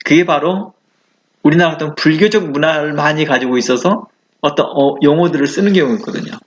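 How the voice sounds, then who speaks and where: A man's voice: a little high, fairly quick, dull audio. A male pastor giving a conversational sermon, asking the listeners questions and acting out the exclamations he quotes. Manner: conversational preaching with rhetorical questions.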